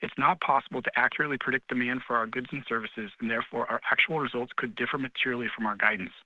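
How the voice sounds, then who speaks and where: A man reads a scripted corporate disclaimer at a quick pace in a mid-pitched voice. He sounds like an investor relations officer on a call. The recording is dry and a bit dull. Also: steady tone, bright, forceful tone, no room sound. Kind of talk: scripted legal disclaimer reading.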